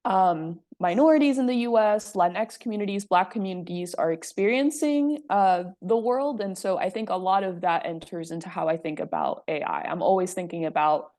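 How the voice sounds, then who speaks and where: A woman's voice: on the low side, normal speed, few pauses, darkish tone. Friendly woman presenting on a video call. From Puerto Rico. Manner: friendly, with frequent "um" fillers. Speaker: presenter and workshop facilitator.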